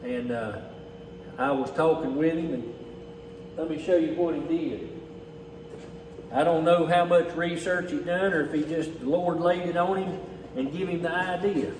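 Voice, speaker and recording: A man's voice: fairly high pitch, unhurried, pauses often, darkish tone. Man, Southern US accent, folksy, unscripted casual talk, long room reverb, distant mic. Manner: folksy, plainspoken, addresses listeners as "folks". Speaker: relief effort organizer presenting donations. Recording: echoey, distant mic, faint background noise.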